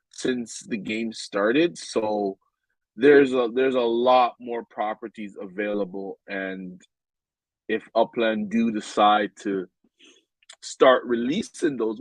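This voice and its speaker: Man vlogger, stuffed-up and nasal, laid-back slow delivery, lots of filler words. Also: mid-range voice, no room sound, poor audio. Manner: rambling, many ums and restarts. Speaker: game vlogger. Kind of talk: casual game commentary.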